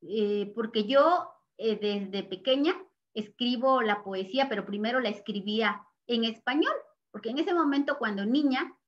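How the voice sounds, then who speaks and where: An older woman from Mexico with a Mexican Spanish accent, a Nahuatl native speaker and indigenous teacher, telling her story in a measured, earnest interview, pausing often with soft fillers. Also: fairly high pitch, muffled recording. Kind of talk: slow, reflective interview testimony.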